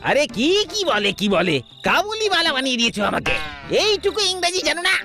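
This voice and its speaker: A woman's voice: high-pitched, very animated, fast. A woman voicing an irritable, pompous cartoon bandit chief who scolds in an exaggerated dubbed style. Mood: scornful, exasperated. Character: irritable bandit chief showing off broken English. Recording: loud music over the dialogue.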